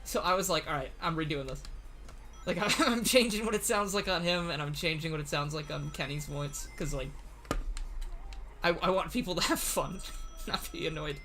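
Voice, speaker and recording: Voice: mid-range voice, normal speed, bright, forceful tone, faint music behind. A livestream host and series writer chatting casually on a computer mic, nervous, stammering and laughing often.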